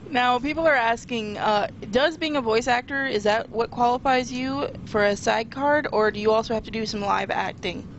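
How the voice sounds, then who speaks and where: Higher-pitched woman host reading out viewer questions, on a dull line with faint noise behind. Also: moderate pace, few pauses. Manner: reads out audience questions. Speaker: interviewer host.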